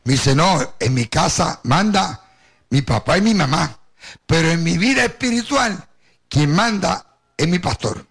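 Older male preacher, Caribbean Spanish accent, high and very crackly voice, tells his testimony straight to the congregation. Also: lively intonation, unhurried, gravelly, a bit bright, husky. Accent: Caribbean Spanish, Puerto Rican with Cuban influence. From Puerto Rico. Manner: storytelling, addresses the congregation directly. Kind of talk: sermon with personal testimony.

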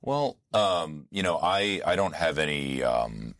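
A middle-aged American man, a trauma surgeon, giving earnest, measured interview answers in a studio, with frequent fillers. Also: rumbling low, expressive, fairly bright tone, no room sound. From United States.

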